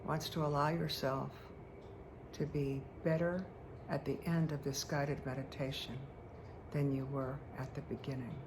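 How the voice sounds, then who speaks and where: A woman leading a guided meditation in a hypnotic, soothing manner, speaking deliberately with long pauses. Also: extremely low pitch. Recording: clear steady background noise.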